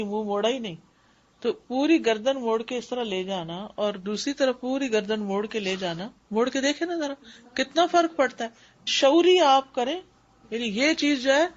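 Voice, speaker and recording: A woman teaching a class on prayer, explaining things step by step and repeating key points for emphasis. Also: on the high side. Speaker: Islamic studies teacher. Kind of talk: lecture on prayer. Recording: dull lo-fi recording.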